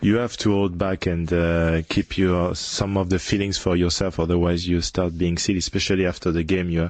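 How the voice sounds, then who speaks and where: A man with a French accent speaks in a very deep, low pitch with monotone, flat intonation. He barely pauses, and his loudness stays very even. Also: moderate pace. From France. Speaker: professional footballer. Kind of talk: radio interview. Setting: radio studio. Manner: halting.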